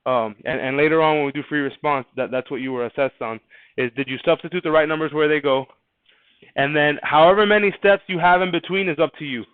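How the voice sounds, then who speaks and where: A man's voice: fairly high pitch, fast talker, clear, resonant tone, no echo. Casual male math teacher, tinny sound. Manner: casual, conversational, repeats words while thinking. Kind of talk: classroom lesson reviewing a quiz. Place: classroom. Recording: dry, phone-like narrow sound.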